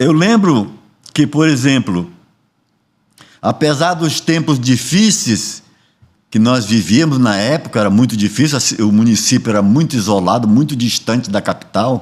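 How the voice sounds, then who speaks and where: A man with a medium pitch speaks at a moderate pace with lively intonation and very even loudness, pausing often and at length. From Amazonas, Brazil (Boca do Acre). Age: 60s. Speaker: pastor. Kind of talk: interview testimony. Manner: halting, with many restarts.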